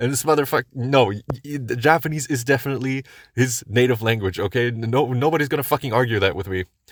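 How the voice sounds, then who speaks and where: With a German accent, a man speaks at a medium pitch and a very fast pace, animated in tone. His pitch variation is ordinary, and the recording is very clean with a silent background. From Germany. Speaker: YouTuber. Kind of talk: rant. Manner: animated, swearing-heavy with many stumbles.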